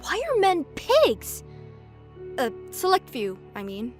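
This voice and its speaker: Casting: feisty young female cashier woman actor for audio drama, high voice, outspoken and stubborn, faint music underneath. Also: huge pitch swings, takes it slowly, exaggerated voice. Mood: indignant. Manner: feisty, emphatic, forthright. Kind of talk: fan audio drama acting.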